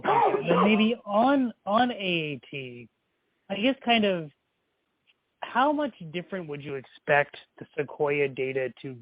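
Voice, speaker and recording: A man with a fairly high voice puts questions as an analyst on a conference call. The sound is close and dry, a little dulled by the line. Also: dry recording. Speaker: financial analyst. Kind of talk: asking questions on an earnings call. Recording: dry, slightly dull call audio.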